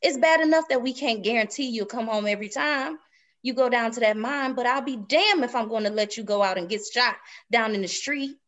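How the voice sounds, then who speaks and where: A woman acts out a worried, stubborn wife in a period drama read. Her voice sits a little high. She scolds in plain rural Southern phrasing, protective of her family. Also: brisk, fairly bright tone, natural voice. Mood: worried, firm. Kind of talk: dramatic script table read.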